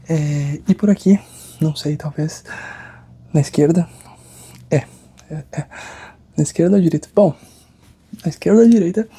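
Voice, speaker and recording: A Brazilian man in a soft-spoken ASMR roleplay as a chiropractor, reassuring and hushed, guiding the listener step by step and sometimes slipping into a whisper. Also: fairly high pitch, husky. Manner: reassuring, talks the listener through each step. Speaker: ASMR creator playing a chiropractor. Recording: close binaural recording with background noise.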